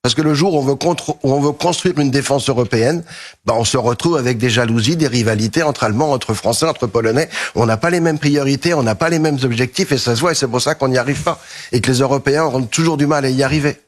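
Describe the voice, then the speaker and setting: Un homme né en France, commentateur des affaires américaines, qui expose une analyse dans un débat télévisé. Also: male voice, medium pitch, quick pace. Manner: explanatory, analytical. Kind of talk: TV debate.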